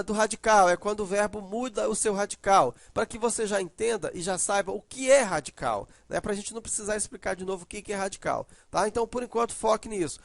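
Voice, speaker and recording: A man teaching grammar in a high-pitched voice. He explains step by step, drawing out syllables for emphasis and checking in with short tag questions. The recording is dry and close, with no room sound. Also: vocal fry, dry recording. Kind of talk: grammar lesson.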